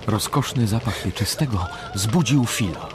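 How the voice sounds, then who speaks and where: A man's voice: on the low side, expressive, normal speed, close to an everyday voice. A man narrating a macabre survival tale in a scripted radio play. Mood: storytelling. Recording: clearly noisy radio drama recording.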